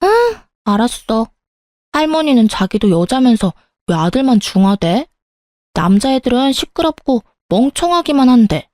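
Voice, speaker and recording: Woman putting on a bright little schoolgirl, smart and blunt, a bit higher, warm soft tone. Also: big pitch swings, normal speed, dry recording, clean studio sound. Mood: complaining. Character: young schoolgirl daughter, clever and outspoken.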